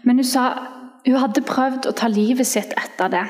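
A woman's voice: high voice, darkish tone, in a large hall. A woman telling personal testimonies as a Christian street evangelist, animatedly acting out the quotes in her stories.

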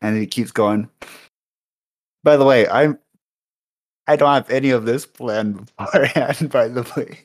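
A man's voice: mid-range voice, a little slow, pauses often. A man narrating as game master in an improvised tabletop game, rambling with many ums and likes over a voice call.

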